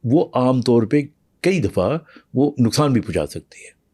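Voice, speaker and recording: A doctor being interviewed on a podcast, patiently explaining in a calm way with pauses and fillers, sometimes switching to English phrases. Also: mid-range voice, breathy edge, dry recording, clean studio sound.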